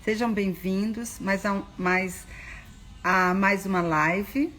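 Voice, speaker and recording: A woman from Goiânia in Brazil, hosting a live video interview and chatting warmly while telling stories. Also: mid-range voice, steady tone, slow. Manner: chatty, storytelling, laughs easily. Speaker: host.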